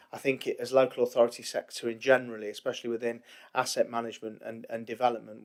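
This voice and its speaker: An earnest man reports to a council meeting in a flat, steady tone. His speech is full of fillers and restarts as he works through his points. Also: medium pitch. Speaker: council housing officer.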